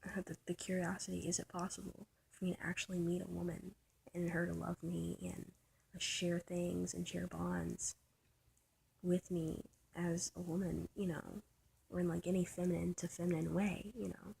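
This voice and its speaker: A trans man with a soft, light voice, thinking aloud in a personal vlog, halting and searching, often trailing into a whisper. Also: sits high, completely flat delivery, creaky, a little hiss or hum, rough recording. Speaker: vlogger. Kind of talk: personal reflective vlog monologue.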